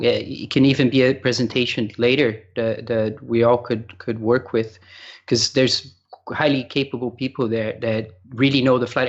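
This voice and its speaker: A man's voice: mid-range voice, highs cut off. A man talking as a panelist in a casual discussion, tentative and wordy, often repeating words.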